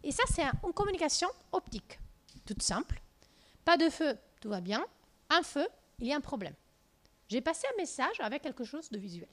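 A woman's voice: high-pitched, fairly quick. Italian-accented woman lecturing with a handheld mic. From southern Italy. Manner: lively storytelling, many fillers and restarts. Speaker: physics lecturer. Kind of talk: lecture with slides. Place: lecture room.

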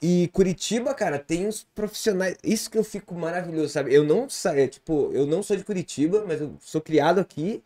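Casting: man in his thirties, fairly high voice, loose slangy rambling podcast talk, close boom mic in a small studio. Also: a little fast, hardly any pauses, dark tone. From Santa Catarina, Brazil. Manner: slangy, rambling, many fillers and restarts; gestures a lot with his hands. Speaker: podcast guest, comedian and producer. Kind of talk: casual podcast conversation.

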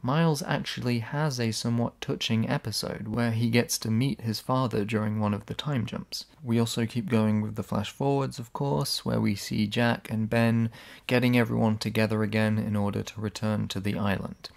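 A man's voice: medium pitch, steady tone, moderate pace, vocal fry. A man giving casual, sarcastic video essay commentary. He is blunt, swears when annoyed, and his voice sounds slightly worn.

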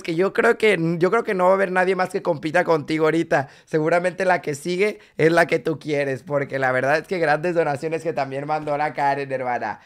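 A man's voice: high voice, creaky, a bit bright. A man with a Mexican Spanish accent hosting a live reaction video, talking in a flamboyant, campy, exclamatory way.

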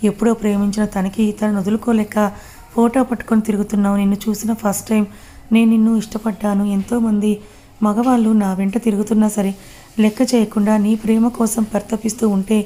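A woman's voice: medium pitch, flat delivery, quick pace, mellow, natural voice. A woman voicing a proud, reckless young woman, insistent and pleading.

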